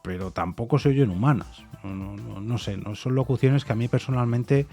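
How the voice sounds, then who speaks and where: A man with a dark, relaxed voice thinks out loud on his podcast, circling his point with restarts and soft repeated no's. A faint music bed runs quietly under him. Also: medium pitch, moderate pace, creaky. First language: Spanish. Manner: thoughtful, hesitant, many restarts and repeated "no". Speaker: podcast host. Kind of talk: reflective solo opinion monologue.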